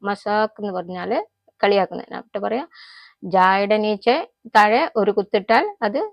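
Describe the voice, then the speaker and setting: A woman with a Malayali accent, a native Malayalam speaker, teaching everyday Hindi phrases in a casual lesson, explaining them slowly and repeating each example. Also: mid-range voice, vocal fry, no echo. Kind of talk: casual spoken-language lesson.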